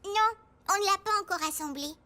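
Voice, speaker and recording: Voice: extremely high pitch, brisk. A performer voicing an eager, curious little preschool boy in a children's cartoon, wide-eyed and earnest.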